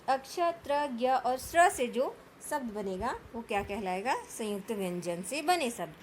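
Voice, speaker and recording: A woman teacher walks students through a grammar lesson at an unhurried, deliberate pace. Her voice sits slightly high, and she keeps asking questions to check that the class follows. A faint hum of noise runs under the recording. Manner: slow, patient explaining with frequent check-in questions.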